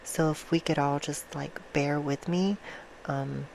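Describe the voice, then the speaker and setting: A soft-spoken woman chatting casually and affectionately to her viewers in an ASMR style, with an informal, self-deprecating manner. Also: low voice, fairly even intonation, unhurried, creaky, a little hiss or hum, poor audio. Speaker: ASMR video creator and host.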